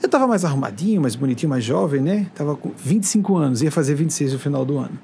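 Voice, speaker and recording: A man's voice: a little high, fast, slight background noise. A man in his forties from northeastern Brazil, talking to his viewers in a conversational monologue and acting out quoted dialogue as he tells stories. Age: 40s. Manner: lively storytelling that acts out quoted dialogue. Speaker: spiritual speaker addressing viewers.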